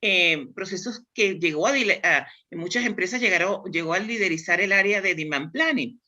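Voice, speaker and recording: Spanish woman, interview guest, bright clear voice, thoughtful explaining. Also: fairly low pitch, brisk. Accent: Spanish from Spain. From Spain. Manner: thoughtful, explanatory, frequent restarts. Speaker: guest, demand planning expert. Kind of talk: conversational interview.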